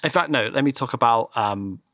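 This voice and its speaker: A man's voice: mid-range voice, a little fast, pushed and bright, no echo, studio quality. A man ranting animatedly in casual chat as a podcast co-host, swearing freely.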